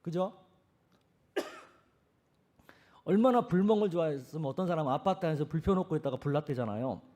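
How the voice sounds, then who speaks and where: A man preaching with a lively voice that swings widely in pitch and sits somewhat high. He talks to his congregation in a casual, animated way and keeps asking them rhetorical questions. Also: normal speed. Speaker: senior pastor. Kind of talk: sermon.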